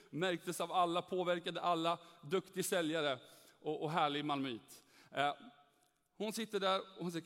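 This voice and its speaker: An earnest young man tells a personal faith testimony and acts out the voices in his story. His voice sits fairly high. It rings with the long reverb of a hall. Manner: earnest, animated, acts out dialogue. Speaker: speaker giving a testimony.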